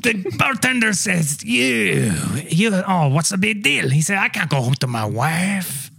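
A man doing a haughty gravelly French waiter. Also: high voice, big pitch swings, pushed and bright, no echo, full character voice. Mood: storytelling. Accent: put-on French. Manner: haughty, insulting, slow drawl. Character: pompous French male train waiter. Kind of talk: improv comedy.

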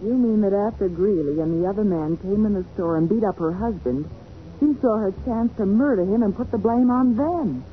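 A woman's voice: medium pitch, moderate pace, slight background noise, close to an everyday voice. A woman acting an eager, naive detective's assistant in a 1940s radio drama, earnest and full of questions. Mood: curious, eager. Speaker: actress in a radio crime drama. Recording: tinny, narrow 1940s radio recording.

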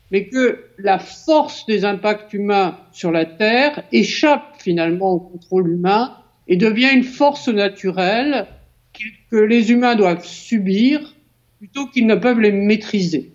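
A woman philosopher, a guest in a debate, explaining a concept in a measured way. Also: mid-range voice, animated. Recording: dull lo-fi sound.

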